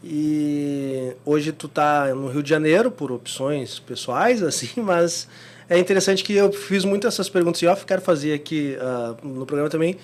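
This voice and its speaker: A man's voice: a little high, normal speed. A man hosting an interview. He asks his questions in an informal, rambling way, with long lead-ins and many fillers. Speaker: podcast host, interviewer.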